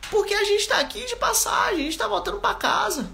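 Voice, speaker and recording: A man's voice: very high voice, expressive, brisk, gravelly, bright, forceful tone, a little hiss or hum. A man preaching a live Bible study, talking directly to his listeners and repeating his points with emphasis. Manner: repetitive, emphatic exhortation; conversational, addresses listeners directly.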